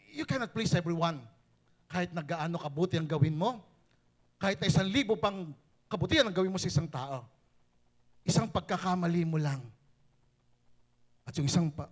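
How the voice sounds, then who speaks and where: A male pastor preaching a sermon, switching between Tagalog and English with animated, rising emphasis. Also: on the high side.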